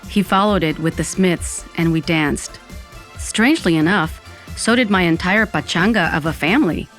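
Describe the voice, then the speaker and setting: A woman narrates first-person audio fiction as a dreamy, dramatic young Latina telling her own story, her mood wistful. She speaks at a normal speed in a fairly low, natural voice while faint music plays in the background.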